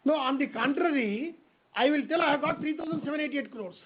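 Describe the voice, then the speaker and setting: A man's voice: extremely high pitch, brisk. A man with an Indian accent answering investor questions as an executive, explaining emphatically and repeating phrases. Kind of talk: spontaneous earnings call answers. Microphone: conference call line. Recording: phone-like call audio with faint noise.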